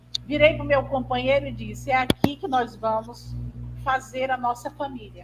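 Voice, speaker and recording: Medium-paced speech from a woman over clear background noise. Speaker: professor and researcher, anthropologist and nurse. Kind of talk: interview on live stream. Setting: online live broadcast.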